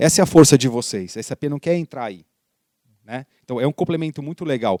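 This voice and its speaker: A man with a fairly high pitch has an ordinary speaking voice and talks at a fairly quick pace with ordinary pitch variation. The sound is dry and close with no echo, a very clean recording with a silent background. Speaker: technology company partner leader. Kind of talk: podcast conversation.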